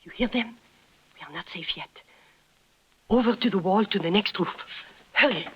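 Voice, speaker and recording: Bold mysterious woman guide, formal commanding phrasing, husky tone, dull 1950s radio audio. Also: medium pitch, normal speed. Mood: hushed, intense. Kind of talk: 1950s radio drama acting. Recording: muffled old 1950s radio broadcast.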